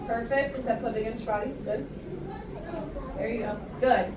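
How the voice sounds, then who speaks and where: A woman's voice: a little high, fairly even intonation, moderate pace, far from the mic, heavy background noise. A young woman teaching a music class to small children, firm and upbeat, praising and counting off steps. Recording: echoey classroom from afar with loud ukulele music.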